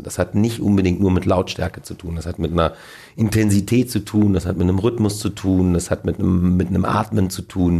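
A male actor as an interview guest, telling lively stories about film sets in a casual way. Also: low voice, vocal fry, husky. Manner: animated storytelling with acted quotes.

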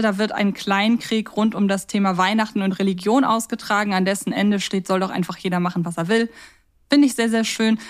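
A woman co-hosting a podcast in casual, unscripted and rambling chat. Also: a little high. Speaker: podcast co-host.

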